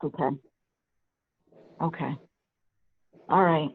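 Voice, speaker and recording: A committee chair with a gravelly, creaky voice talks hesitantly, circling back with repeated okays and small restarts. The line is thin and tinny, like a phone call. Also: mid-range voice, steady tone, takes it slowly. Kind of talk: committee meeting discussion.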